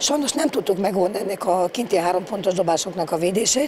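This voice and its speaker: In a dry sound with no echo but noticeable background noise, a woman speaks at a moderate pace with ordinary pitch variation. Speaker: basketball club coach. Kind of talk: interview answer. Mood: calm, reflective after match. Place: hall. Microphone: handheld.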